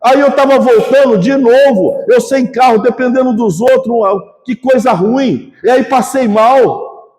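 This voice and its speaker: A man's voice: extremely high pitch, a little mellow. A man voicing a grown man who complains plaintively to God about his bad day. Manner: plaintive, self-pitying. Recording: echoey church hall reverb.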